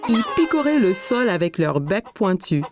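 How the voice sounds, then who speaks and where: A woman's voice: mid-range voice, sing-song, normal speed, music in the background, lightly acted. A woman narrating a scripted children's cartoon story in a storybook manner for young listeners.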